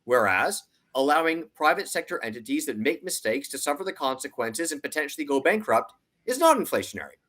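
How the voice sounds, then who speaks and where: Animated man giving emphatic commentary. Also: fairly high pitch, fairly quick. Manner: emphatic, rhetorical questions, repeats points for effect. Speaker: interview guest, economics commentator. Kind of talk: off-the-cuff economic commentary in an interview.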